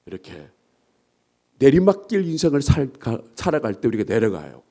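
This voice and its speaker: A man's voice: medium pitch, very animated, moderate pace, mellow. A male pastor preaching a sermon, asking the congregation to repeat after him and acting out the complaints of believers. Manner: acts out complaining believers in quoted voices.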